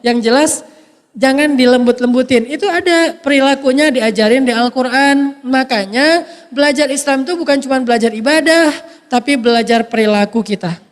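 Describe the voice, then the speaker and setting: A man giving a humorous sermon, acting out little scenes with a soft voice that people often take for a woman's. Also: extremely high pitch, moderate pace, long reverb tail. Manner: playful, acts out little scenes. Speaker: preacher.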